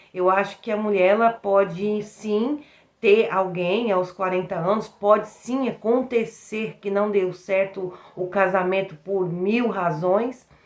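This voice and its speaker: A woman with a medium pitch speaks very slowly and with fairly even intonation over noticeable background noise. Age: 40s. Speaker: relationship vlogger. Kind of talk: casual vlog storytelling.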